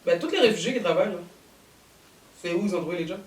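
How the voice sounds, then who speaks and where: Animated woman host. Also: on the low side. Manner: animated, talks in quick rambling bursts. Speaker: talk show host. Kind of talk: casual panel chat. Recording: roomy studio sound, mic at a distance.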